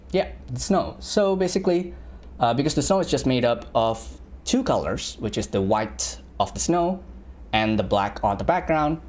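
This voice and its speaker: A man's voice: mid-range voice, darkish tone. A young man from Indonesia teaching visual effects on a livestream, talking casually with lots of fillers and self-corrections. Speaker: VFX artist teaching a livestream. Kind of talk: live screen-share software tutorial.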